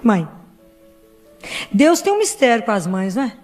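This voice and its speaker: A woman's voice: on the high side, sing-song, moderate pace, darkish tone, faint music behind. A middle-aged woman preaching a heartfelt sermon to her congregation. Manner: earnest, heartfelt, speaks directly to the congregation.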